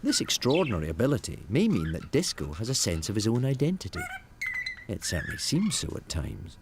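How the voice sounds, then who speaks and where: A man's voice: on the low side, wildly swooping pitch, brisk. A man narrating a scripted nature documentary. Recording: noticeable background noise.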